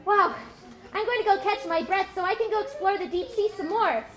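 A woman's voice: extremely high pitch, fairly quick. A woman puppeteer voicing a lost, eager young whale in a live puppet show. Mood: cheerful. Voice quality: bright, excitable. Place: stage in a hall.

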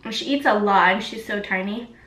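A woman's voice: medium pitch, normal speed, fairly bright tone, far from the mic. A young woman chatting casually in a mukbang eating vlog, filling her talk with ums and likes while she eats. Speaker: vlogger. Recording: echoey room, voice off-mic.

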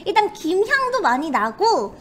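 A woman's voice: very high-pitched, sing-song, a little slow, fairly bright tone, a little hiss or hum. A woman with a cutesy, girlish voice hosting a casual snack review, crunching chips as she talks. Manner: crunching chips between remarks, talking while eating. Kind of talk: casual livestream mukbang.

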